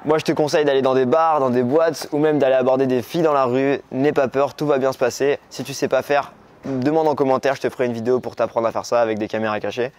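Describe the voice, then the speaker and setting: A young man from Morocco giving a dating-coach video lesson, talking casually and expressively, speeding over filler words and slowing down to stress key points. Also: mid-range voice. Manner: lively, expressive, speeds up and slows down for emphasis.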